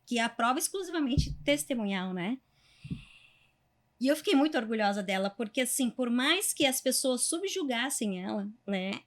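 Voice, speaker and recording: Measured woman lawyer. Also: on the high side, lively intonation. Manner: measured, hesitant phrasing with frequent "né?". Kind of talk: conversational storytelling.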